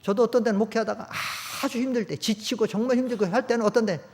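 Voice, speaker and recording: Older male pastor, high voice, conversational sermon with loud swells and hushed stories. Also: steady tone, fast. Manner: conversational preaching, rising to loud emphatic peaks, drops low for stories. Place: church sanctuary.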